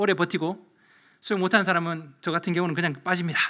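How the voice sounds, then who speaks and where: A man's raised, projected voice, animated, with a bright, sharp tone. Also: quiet background. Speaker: pastor. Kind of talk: sermon.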